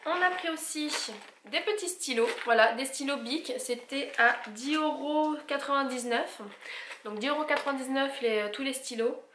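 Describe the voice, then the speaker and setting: Showing off a shopping haul, a woman chats casually about items and prices and fumbles English brand names. Her voice is high-pitched at a normal speed, and the room is echoey with faint noise.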